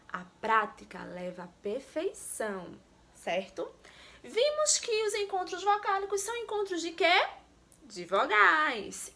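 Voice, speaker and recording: A woman's voice: high voice, pushed and bright. A woman teacher giving a remote lesson to young pupils, explaining step by step and often asking them questions. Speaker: primary school teacher.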